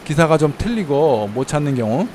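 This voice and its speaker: A man giving casual travel tips in a chatty way, slowing down to spell out how words sound. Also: on the high side, big pitch swings, a little mellow, slight background noise. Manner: chatty, slows down to spell out pronunciations. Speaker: travel vlogger in Thailand. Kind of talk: casual explanatory talk. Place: inside a car while driving.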